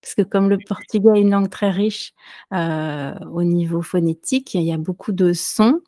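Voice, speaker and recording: A woman who teaches French, answering interview questions casually with many pauses and fillers. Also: fairly low pitch, mellow, no echo. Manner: hesitant, many fillers and restarts, light laughs. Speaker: French teacher and podcaster, guest.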